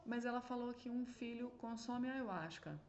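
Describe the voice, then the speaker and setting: A woman's voice: on the high side, normal speed, a little mellow, muffled recording. A woman, a spiritual medium, recounting a session in a rambling, casual monologue that is full of "né?" and "entendeu?" asides. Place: home.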